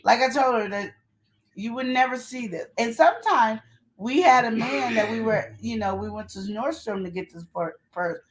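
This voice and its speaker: A woman co-hosting a live relationship advice show, talking in casual chat with emphatic, animated storytelling and quoted asides. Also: on the high side, normal speed, a crowd in the background, low-quality recording.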